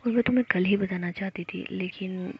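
A woman voicing a sassy, touchy young woman lover in a whispered role-play, coy and sulky in a soft whisper. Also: mid-range voice, fairly quick, slightly rough, lo-fi sound.

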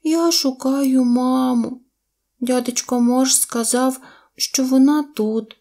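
A woman's voice: fairly even intonation, takes it slowly, warm tone, full character voice. A woman doing a little lost baby mammoth. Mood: pleading. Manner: high, pleading childlike voice. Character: small lost baby mammoth, eager and tearful.

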